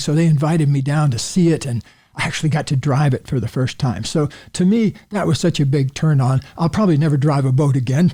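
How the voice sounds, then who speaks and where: A man with a fairly high pitch and a dark, mellow, somewhat breathy tone, at a fairly quick pace with ordinary pitch variation. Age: 70s. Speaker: co-host, author and psychologist. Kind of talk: casual podcast conversation. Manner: halting.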